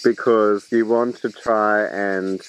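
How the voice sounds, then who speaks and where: A man in his thirties, a guest in a casual chat outdoors, relaxed and agreeable. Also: fairly low pitch, slow, slight background noise, low-quality recording. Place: outdoors in a garden, seated in a hammock.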